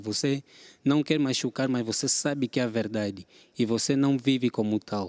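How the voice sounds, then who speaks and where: A man in an Angolan accent speaks with fairly even intonation, the sound dry and close with no echo on a very clean recording with a silent background. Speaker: audience participant. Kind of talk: group discussion.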